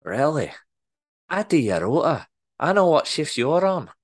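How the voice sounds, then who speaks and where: A man voicing a bossy, predatory woman manager in a put-on Scottish accent, husky and murmuring. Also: fairly high pitch, very animated, a little slow, pitched above the performer's own voice. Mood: pushy. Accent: attempted Scottish.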